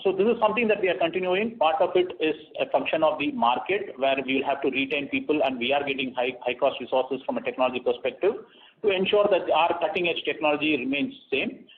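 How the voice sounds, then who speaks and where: A man presents quarterly financial results over a conference call. He speaks in a measured way, with frequent "uh" fillers and restarts. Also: a little high. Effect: heard over a conference call line. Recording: tinny phone-line conference call audio.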